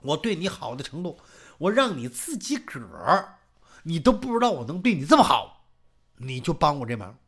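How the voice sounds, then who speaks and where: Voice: medium pitch, big pitch swings, moderate pace, a bit bright, breathy edge, heavily acted. A storyteller voicing a greedy, lecherous old father-in-law who bullies and swears. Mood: bullying. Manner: coarse, bullying, swearing.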